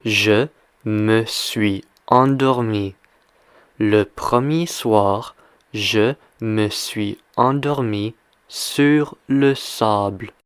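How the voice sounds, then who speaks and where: Male language teacher, extremely slow and deliberate, smooth resonant voice, dry close sound, drills questions. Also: fairly low pitch, no echo. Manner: deliberate, repeats and quizzes the listener. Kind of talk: slow question-and-answer reading lesson.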